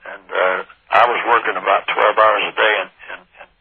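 A man in his sixties, a caller on a radio talk show, speaking in halting bursts with many restarts. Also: lowish voice, little pitch movement, gravelly. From California. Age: 60s. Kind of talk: call-in radio chat. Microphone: telephone. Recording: tinny phone line with faint hiss.

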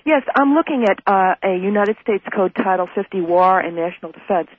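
A man's voice: high-pitched, expressive, fairly quick, no room sound, phone-quality sound. A man calling in to a radio talk show, questioning the guest in a suspicious, challenging way. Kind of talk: call-in radio conversation.

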